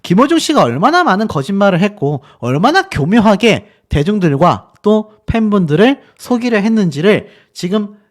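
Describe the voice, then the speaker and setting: A man delivering opinionated news commentary as a YouTuber, indignant and emphatic, firing rhetorical questions at his audience. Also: high-pitched.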